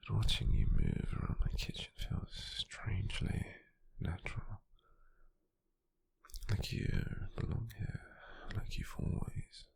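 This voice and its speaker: Gentle, doting British wizard boyfriend played by a male ASMR actor: low, gravelly half-whisper, tender and softly teasing. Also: huge pitch swings, slow pace, exaggerated voice. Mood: tender, wistful. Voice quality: breathy, husky near-whisper. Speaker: ASMR roleplay performer. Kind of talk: ASMR roleplay, intimate whispering.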